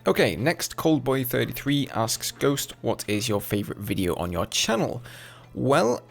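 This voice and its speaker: A man in his twenties with an English accent, casually answering viewer questions over gameplay footage in a relaxed, chatty way. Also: mid-range voice, unhurried, vocal fry, soft background music. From England. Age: 20s. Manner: chatty, relaxed, with fillers and asides. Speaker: gaming YouTuber.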